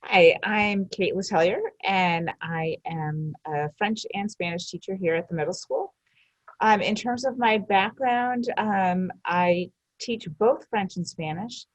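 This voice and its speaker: A woman's voice: mid-range voice, unhurried, dry recording, lo-fi sound. A woman who teaches French and Spanish, giving a back-to-school night overview with frequent "um" fillers. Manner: many "um" fillers, earnest.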